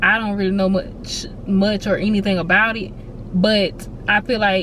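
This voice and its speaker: A woman at medium pitch with a Southern US accent, speaking at a very slow pace over noticeable background noise. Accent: country Southern. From rural US South. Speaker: movie reviewer vlogger. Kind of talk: casual review vlog. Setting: filming herself on camera, indoors at dusk. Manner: trying to speak clearly on camera; conversational, animated.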